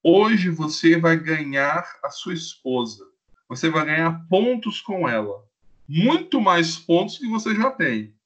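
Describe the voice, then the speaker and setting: A man's voice: fairly high pitch, sing-song, slow, fairly bright tone. A man with a Brazilian Portuguese accent teaching a live online chemistry class, playful and joking as he acts out little scenes with students. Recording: dull lo-fi stream audio.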